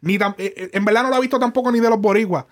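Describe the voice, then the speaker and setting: A man's voice: sits high, rapid-fire. A young man with a Puerto Rican accent, hosting a music commentary show in emphatic, profanity-heavy casual talk with many restarts. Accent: Puerto Rican Spanish.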